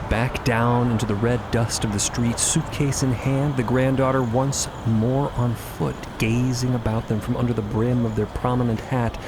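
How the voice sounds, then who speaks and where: A man's voice: medium pitch, flat delivery, normal speed, few pauses, background noise. A man narrating a scripted story in a theatrical, descriptive style, over music. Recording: loud music bed under the voice.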